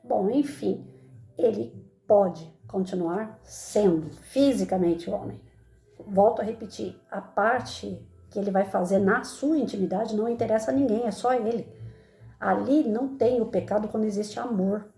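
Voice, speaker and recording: A woman's voice: mid-range voice, unhurried, vocal fry, dark tone, roomy sound. A middle-aged Brazilian woman presenting a Spiritist study, talking conversationally and often adding tag questions. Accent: Brazilian Portuguese. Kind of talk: spoken Spiritist study talk with personal story.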